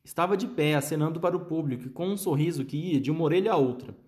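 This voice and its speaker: A man's voice: a little high, fast talker, a little mellow. A man reading a storybook aloud to a child and chatting between passages.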